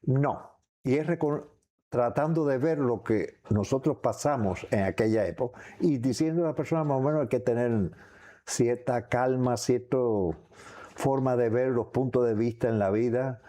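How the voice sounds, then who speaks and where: An older man with a Cuban accent, giving reflective personal testimony as an interview guest, in halting, rambling phrases. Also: mid-range voice, mellow. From Cuba. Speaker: interview guest recounting memories.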